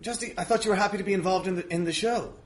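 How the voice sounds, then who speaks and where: A wrestling promoter on a podcast speaks in a high-pitched voice at a very fast clip. It's an improvised comedic argument, and he keeps hesitantly apologizing, trying to calm the other side down.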